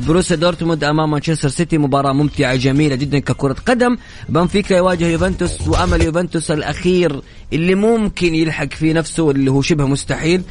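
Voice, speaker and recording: A man with a Saudi accent presenting a live sports show on the radio as its host. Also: fairly high pitch. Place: radio studio.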